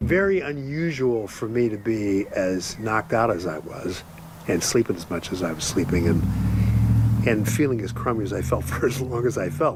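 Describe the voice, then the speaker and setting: A man with an American accent talks in a fairly low voice with lively intonation. Noticeable background noise runs underneath. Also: moderate pace. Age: 70s. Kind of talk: TV news interview answer.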